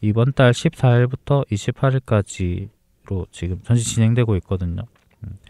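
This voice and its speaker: A man's dark, mellow voice at a fairly slow pace with fairly even intonation, dry and close with no echo, on a very clean recording with a silent background. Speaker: painter. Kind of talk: interview.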